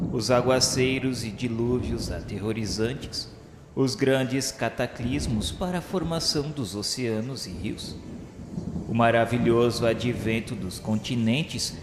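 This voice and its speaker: A man's voice: medium pitch, background noise. Solemn male narrator in an echoey hall. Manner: solemn, grandiloquent, declamatory. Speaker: narrator of a radio novel. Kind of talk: scripted dramatic literary narration. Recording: echoey hall with faint music. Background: faint music.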